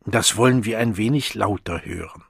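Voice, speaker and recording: Ein Mann, der in einem Hörbuch einen belehrenden, selbstgefälligen Direktor einer Brutanstalt spricht. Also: male voice, fairly low pitch, normal speed, creaky, fairly bright tone, slightly rough, no room sound, clean studio sound, full character voice. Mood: lecturing. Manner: lecturing, emphatic. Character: pompous male hatchery director, lecturing. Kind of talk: audiobook reading.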